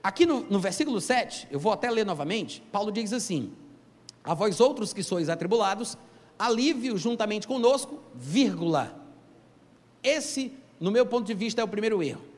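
A high-voiced man preaches in a church hall, his voice trailing off in a long reverb. He teaches scripture in an animated, emphatic way, stopping to call out to the congregation. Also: normal speed. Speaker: pastor. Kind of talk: sermon.

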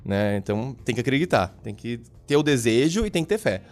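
A man with a Brazilian accent, a podcast guest telling lively stories in casual chat and acting out the dialogues. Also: mid-range voice, a little fast, soft background music. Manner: animated storyteller who acts out dialogues.

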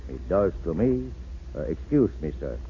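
A man's voice: low voice, sing-song, moderate pace, dull audio. An actor playing the courteous, dignified ghost of a male German poet, formal and wounded, in 1940s radio style on an old recording. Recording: old thin radio recording, faint noise.

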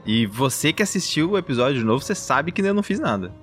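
A man's voice: fairly high pitch, sing-song, fast talker, a bit bright, faint music behind. A Brazilian man talking in a casual podcast, often stopping and restarting his sentences. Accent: Brazilian Portuguese. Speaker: game master.

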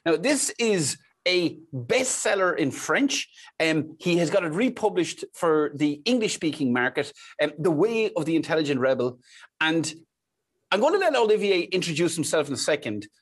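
An Irish man hosts a podcast interview with a slightly husky voice. His pitch rises and falls a great deal as he speaks with enthusiasm, and he fills his pauses with "um" and repeats phrases for emphasis. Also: sing-song. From Ireland. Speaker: podcast host.

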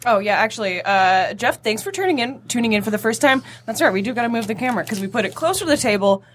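A woman's voice: a little high, animated, fast talker, a little hiss or hum. A woman co-hosting a podcast in a studio, chatting in a playful, teasing way. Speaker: podcast co-host. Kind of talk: casual chat.

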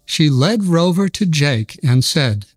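A man calmly narrating a children's storybook in a measured, gentle reading style. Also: a little high, husky, no room sound, clean studio sound, soft background music.

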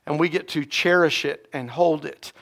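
A man preaching a sermon as associate pastor, slightly raspy from a sore throat, talking conversationally with frequent "right?" asides and restarts. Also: fairly high pitch, moderate pace, fairly bright tone. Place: church sanctuary.

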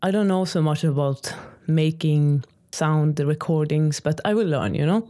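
A woman's voice: deep voice, measured pace, dark tone. A young woman from Sweden, a native Swedish speaker with a Swedish accent, chatting enthusiastically in an interview with frequent laughs and restarts. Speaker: singer and podcast host, interviewee. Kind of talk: casual interview answers.

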